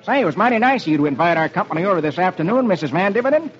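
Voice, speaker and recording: A man voicing a brash young soldier with quick, breezy patter, on an old radio recording. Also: high voice, expressive, highs cut off, faint music behind, voice pushed up.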